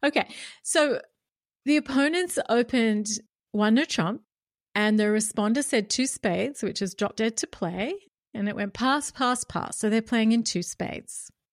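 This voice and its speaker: With an ordinary speaking voice, a woman talks at a moderate pace in a fairly high pitch with lively intonation, the sound dry and close with no echo on a very clean recording with a silent background. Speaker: podcast host and bridge player. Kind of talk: casual chat.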